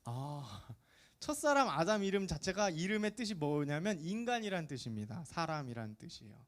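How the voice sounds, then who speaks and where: A man's voice: a little high, very animated, moderate pace, fairly bright tone. A man in his thirties, a pastor giving a chatty, jokey sermon to a middle-school youth group, often asking the congregation questions. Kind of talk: lively sermon to teenagers. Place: church sanctuary. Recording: long church reverb.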